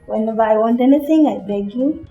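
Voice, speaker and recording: A woman's voice: fairly high pitch, a little fast, phone-quality sound. A woman giving a personal account in a documentary. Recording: echoey room, music underneath. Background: background music.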